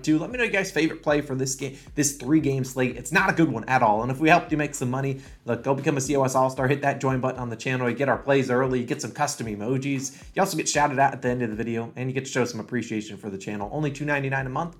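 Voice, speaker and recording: American guy doing sports betting picks, talks really fast, confident tipster hype. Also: mid-range voice. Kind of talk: sports picks video commentary.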